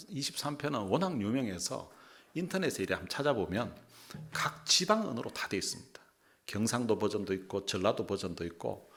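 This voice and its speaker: A man's voice: on the low side, creaky. A male pastor preaching a sermon, telling anecdotes as he goes. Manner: storytelling with anecdotes, lively delivery.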